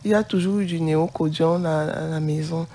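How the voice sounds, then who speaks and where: A woman's voice: deep voice, fairly even intonation, a little fast, dark tone, a little hiss or hum. A woman co-hosting a Christian radio talk show with her pastor husband, speaking in an impassioned, indignant tone while down with the flu. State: has the flu. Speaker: co-host, pastor's wife.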